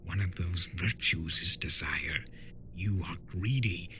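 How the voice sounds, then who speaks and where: A man voicing an impassioned, scolding male spirit of chaos with theatrical, drawn-out emphasis in a dramatic story reading. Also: deep voice, noisy background. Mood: knowing, lecturing. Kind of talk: dramatic fan-fiction reading.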